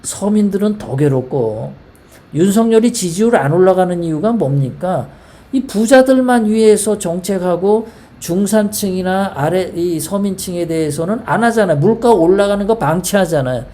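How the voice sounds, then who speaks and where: A woman from South Korea hosts a political commentary show in a low, dark voice. Her talk runs heated and rambling, and she keeps throwing out rhetorical questions. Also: animated, moderate pace. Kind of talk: casual political monologue.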